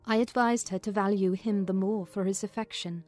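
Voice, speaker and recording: Female audiobook narrator, measured and expressive, soft-toned, faint music under the reading. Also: medium pitch. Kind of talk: dramatized reading of a classic novel.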